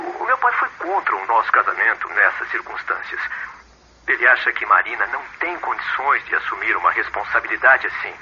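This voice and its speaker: A man's voice: medium pitch, bright, forceful tone. An actor playing an earnest, respectful and troubled young man in a radio drama. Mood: troubled, pleading. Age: young adult. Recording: slightly muffled recording with faint noise.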